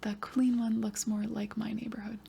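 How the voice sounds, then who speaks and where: A woman voicing a young girl student in a whispered role-play, giving soft, short answers to lesson questions. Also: on the high side, little pitch movement, moderate pace, creaky.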